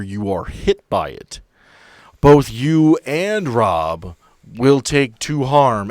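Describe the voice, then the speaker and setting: Speaking straight to his players, the game master of a tabletop role-playing podcast narrates the action conversationally. He's a man with a medium-pitched voice, and there's no room sound on the recording.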